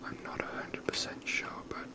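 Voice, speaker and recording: Someone whispering thru a game playthrough, breathy asmr, gentle and rambly. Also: moderate pace. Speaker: video creator playing and commenting on a game. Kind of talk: whispered ASMR gameplay commentary.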